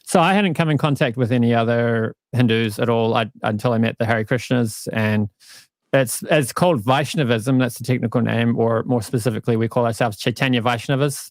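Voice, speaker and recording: A man with a New Zealand accent, a guest calmly explaining his faith with dry self-mocking humor over a live-stream call. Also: mid-range voice, no echo. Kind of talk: casual interview talk.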